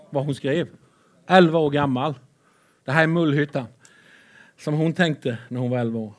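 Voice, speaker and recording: A man preaching a lively sermon with Bible readings, excitable and playful, swinging between loud and soft. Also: on the high side.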